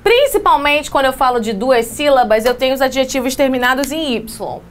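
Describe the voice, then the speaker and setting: High-voiced Brazilian woman teaching English. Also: lively intonation, fairly quick. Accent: Brazilian Portuguese. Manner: explains step by step, lots of checks like "beleza?" and "ó". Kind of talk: exam-prep lesson.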